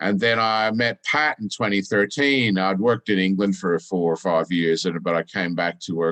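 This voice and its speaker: An Australian accent at a moderate pace, hardly any pauses, ordinary pitch variation, and a dry, close sound with no echo. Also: man. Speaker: actor and drama trainer. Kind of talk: presentation in an online information session. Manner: hesitant, with fillers and restarts.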